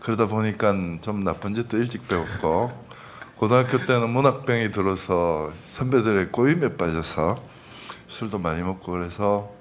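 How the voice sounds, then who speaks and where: A man's voice: lowish voice, normal speed, a little hiss or hum. A man in his fifties, a poet from North Gyeongsang, casually telling stories from his youth with chuckles in a radio interview. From North Gyeongsang, Korea. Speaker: guest poet. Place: public radio broadcast stage.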